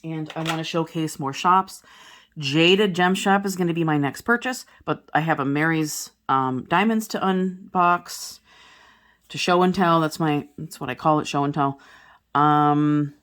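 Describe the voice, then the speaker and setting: A woman's voice: sits low, a little slow, a bit bright. A woman in her forties chatting casually to her viewers as a crafting vlogger, rambling with many fillers and restarts. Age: 40s. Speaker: diamond painting vlogger.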